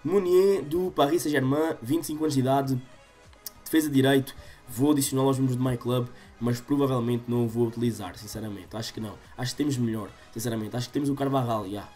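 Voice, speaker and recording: A man in his twenties with a European Portuguese accent and a slightly stuffy nose, doing excitable gaming commentary for his viewers. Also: medium pitch, fast talker. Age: 20s. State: slightly congested from a cold. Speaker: gaming YouTuber. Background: game music.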